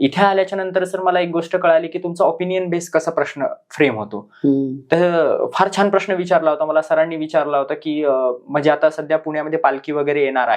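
This is a man with a plain, everyday voice. His pitch is fairly high, with ordinary pitch variation. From Maharashtra, Nanded district (Mahur). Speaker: newly selected police sub-inspector. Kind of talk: interview.

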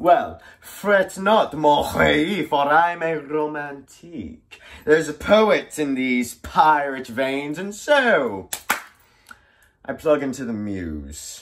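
A man puts on a character voice with a fairly high pitch. He delivers it at a very slow pace. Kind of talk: comic stage overacting. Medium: solo performance. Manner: suddenly menacing threats; pompous, flamboyant, melodramatic.

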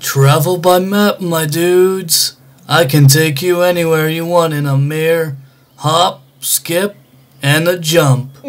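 Using a cartoonish character voice, a man speaks at a high pitch and a fairly slow pace. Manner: laid-back, surfer-style.

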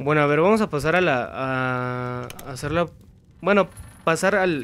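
A man talks at a moderate pace. His fairly high pitch shows ordinary variation. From Mexico. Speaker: gaming youtuber. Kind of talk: let's play commentary. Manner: animated. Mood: scared, joking, swearing.

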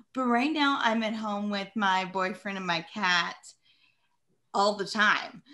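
A woman with an American accent speaks fairly slowly in a bright, sharp tone. She leaves long, frequent pauses against a quiet background. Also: ordinary pitch variation. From Pennsylvania coal region. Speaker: podcast host. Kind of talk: casual chat. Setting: video call, at home. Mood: bubbly, laughing. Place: home room. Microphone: webcam.

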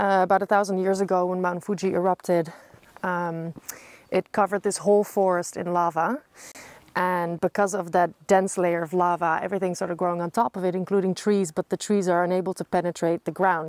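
A woman speaks at a fairly quick pace with monotone, flat intonation, in a dry sound with no echo against a quiet background. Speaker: travel vlogger. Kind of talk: casual vlog chat. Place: forest. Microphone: lapel.

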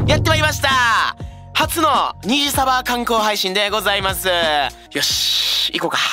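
A voice in a Kansai accent moves at a fairly slow pace with very wide pitch swings, dry with no echo, over clear music in the background. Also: man. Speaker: virtual streamer. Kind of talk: casual livestream talk. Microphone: studio mic.

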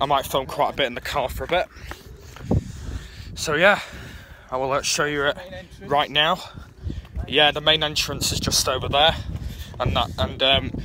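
A man talks at a moderate pace, pausing often and at length, with ordinary pitch variation and noticeable background noise around him. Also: dry sound with no echo. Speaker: vlogger. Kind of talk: casual vlog chat. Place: street. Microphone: phone near.

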